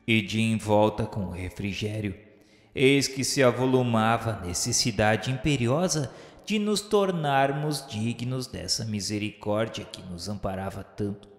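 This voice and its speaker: A Brazilian man playing a remorseful male spirit who narrates a radio novela in solemn, formal, literary diction. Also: medium pitch. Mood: sorrowful, remorseful. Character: remorseful male spirit of a suicide recalling the afterlife. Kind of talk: dramatized first-person narration of a radio novela. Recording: echoey hall reverb with music.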